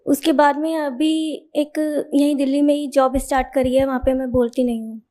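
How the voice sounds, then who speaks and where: A woman from the audience asking the teacher a question, speaking softly and hesitantly. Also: high-pitched, little pitch movement, normal speed. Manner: hesitant, soft-spoken.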